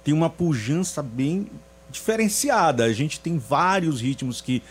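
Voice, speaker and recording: A man's voice: a little high, expressive, measured pace, husky. Reflective man from being interviewed. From São Luís, Maranhão, Brazil. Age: around 50. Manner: reflective, hesitant, many restarts. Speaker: singer guest. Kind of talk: radio interview.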